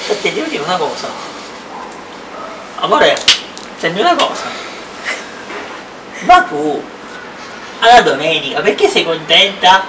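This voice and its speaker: Animated young man, echoey and distant. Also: sits high, a little slow, long pauses. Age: young adult. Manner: repeats and stammers words. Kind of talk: casual playful game banter. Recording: echoey, distant mic, noisy background.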